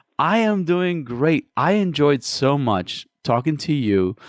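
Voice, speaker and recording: Spoken in a Spanish accent, the animated, lively-intoned delivery comes through a very clean recording with a silent background and a dry, close sound with no echo. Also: man. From Cuba. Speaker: podcast host. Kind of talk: podcast interview. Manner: hesitant fillers.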